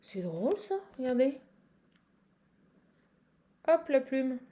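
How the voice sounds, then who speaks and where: This channel host and tarot reader has a high, very animated voice with a dark tone, yet she takes her time. Speaking with a Parisian French accent, she improvises a relaxed card reading for her viewers, exclaiming, chatting, repeating phrases and trailing off mid-thought.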